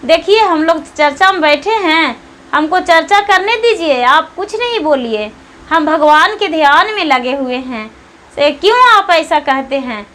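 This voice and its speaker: A woman voicing devout young wives, high and insistent. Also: lively intonation, unhurried, a bit bright. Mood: dismissive.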